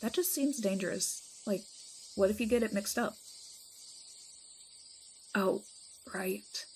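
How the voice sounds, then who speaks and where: A woman's voice: mid-range voice, slow pace, darkish tone, a little hiss or hum. A woman acts out a playful female vampire in an audio roleplay. She talks casually and affectionately to a friend, with teasing, dramatic exaggeration. Faint insect-like night ambience sits behind her voice. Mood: chatty, caring.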